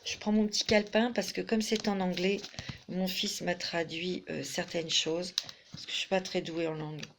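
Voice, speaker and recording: A woman's voice: on the low side, steady tone, normal speed, vocal fry, background noise. A middle-aged woman giving a chatty tarot reading to camera, full of fillers and restarts. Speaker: tarot reader.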